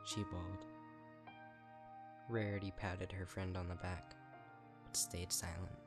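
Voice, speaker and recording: A man with a low-pitched voice narrates a scripted story. Soft music plays faintly behind his reading. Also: level tone, takes it slowly. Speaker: fan fiction reader.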